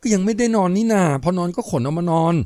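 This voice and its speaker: A man's voice: high-pitched, expressive, quick pace, mellow, no room sound, pitched above the performer's own voice. A man putting on a defensive young woman's voice. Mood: pleading. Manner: pleading, then snapping back. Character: woman, a thug's mistress, defensive and shrill.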